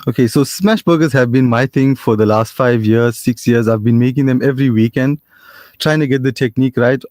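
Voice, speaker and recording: A man, a restaurant owner speaking as a radio guest in a measured, modest way, often restarting his sentences. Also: mid-range voice, darkish tone, no echo, studio quality. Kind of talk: radio interview. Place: radio studio.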